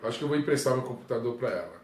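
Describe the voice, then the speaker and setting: A Brazilian man, a pastor, talking casually on a livestream from home, with frequent tag questions and sudden jumps up in pitch for emphasis. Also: expressive, rapid-fire, reverberant, a little hiss or hum. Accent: Brazilian Portuguese. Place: room at home.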